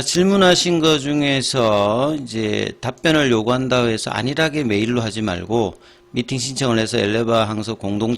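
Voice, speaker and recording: A middle-aged man talks through market news in a casual explanatory way. He works step by step, often pausing on fillers and restarting his sentences. His voice sits at an ordinary middle pitch. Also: vocal fry. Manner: explains with frequent fillers and restarts, steady and methodical. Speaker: stock market commentator.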